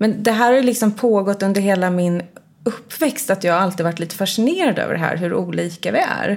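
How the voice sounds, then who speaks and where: Moderate pace and lively intonation in a plain, everyday voice. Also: woman. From Stockholm southern suburb. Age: 40s. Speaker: podcast co-host, life coach. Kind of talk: casual chat.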